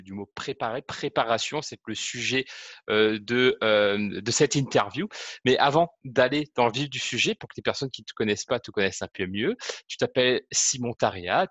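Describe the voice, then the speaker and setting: A man's voice: mid-range voice, fairly bright tone, no room sound. A man hosting a casual interview, asking friendly, chatty questions with fillers. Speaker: interviewer, host.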